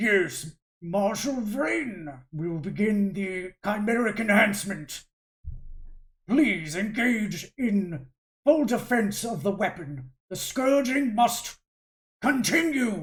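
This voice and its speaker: A put-on character voice with a fairly high pitch. The speech comes very slowly. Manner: ominous.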